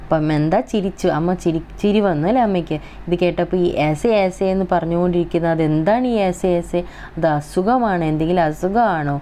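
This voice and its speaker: A woman with a Malayali accent teaching a Hindi school lesson, slowly reading each line and then explaining it. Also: fairly low pitch, warm tone.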